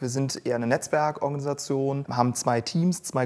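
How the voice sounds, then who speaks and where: A man's medium-pitched voice, fairly even in intonation, an unremarkable speaking voice. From Cologne, Germany. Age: 30s. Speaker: head of a company innovation lab. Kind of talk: business interview.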